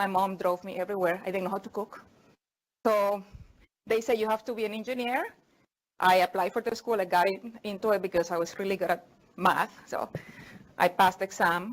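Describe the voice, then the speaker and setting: Using a Venezuelan accent, a woman of medium pitch talks at a fairly quick pace with fairly even intonation and long, frequent pauses. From Venezuela (Paraguaná peninsula, studied in Caracas). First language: Spanish. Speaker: engineer and part-time programming instructor. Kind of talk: conference talk. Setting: meetup presentation with audience. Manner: casual, hesitant with fillers.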